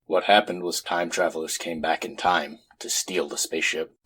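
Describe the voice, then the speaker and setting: A man performs a shadowy stranger in a trench coat for an audio drama. The voice is deep, husky and very flat, measured and secretive, as if sharing a conspiracy. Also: heavily acted.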